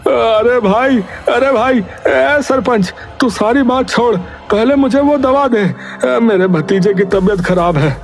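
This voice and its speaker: A man's voice: very high-pitched, slow pace, hardly any pauses, soft background music, voice pushed up, heavily acted. A man voicing an angry, pushy village politician with a demanding, blustering manner in a story.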